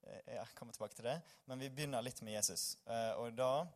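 A man's voice: mid-range voice, fairly even intonation. A tired young man giving an informal sermon in a church hall, joking with the congregation and reading scripture aloud. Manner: self-deprecating, joking, chatty with the congregation. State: tired after little sleep. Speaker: preacher.

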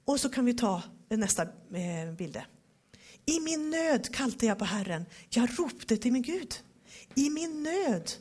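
A woman giving a devotional Bible teaching, reading verses slowly and with emphasis, then talking them over. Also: a little high, sing-song, a little mellow, breathy edge.

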